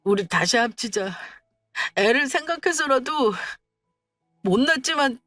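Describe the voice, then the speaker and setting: A woman's voice: high voice, lively intonation, a little slow, a bit bright, dry recording, faint music behind, pitched above the performer's own voice, exaggerated voice. A woman voicing a young husband in a storybook tale, who makes excuses and pleads. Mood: pleading. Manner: wheedling, making excuses.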